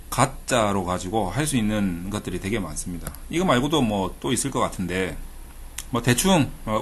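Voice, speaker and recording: A man talks through a casual video lecture on thesis statistics, chatty and full of fillers. His pitch moves a lot, rising and falling from phrase to phrase. A faint hiss of noise sits under the voice. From Busan, South Korea. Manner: chatty, with filler sounds and playful dad jokes. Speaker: research institute director teaching thesis statistics.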